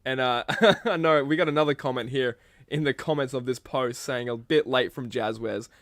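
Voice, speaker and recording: A man's voice: mid-range voice, moderate pace, a bit bright, dry recording. Aussie guy hosting a toy podcast, jokey, laughs a lot, real dry sound. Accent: Australian. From Australia. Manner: laughing, playful teasing. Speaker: podcast host. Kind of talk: casual chat.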